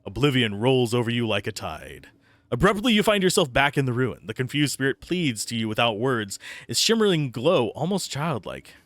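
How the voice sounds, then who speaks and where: A man's voice: mid-range voice, sing-song, moderate pace, a bit bright, no echo. A man streaming a game, giving live commentary and reading game text aloud into a close microphone. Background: faint game music.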